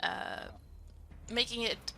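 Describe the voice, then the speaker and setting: A woman with German as her first language, running a tabletop game as game master, talking in halting bursts full of fillers. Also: sharp tone, faint music behind. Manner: halting, many fillers, quick laughs. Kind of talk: narrating a tabletop game and chatting.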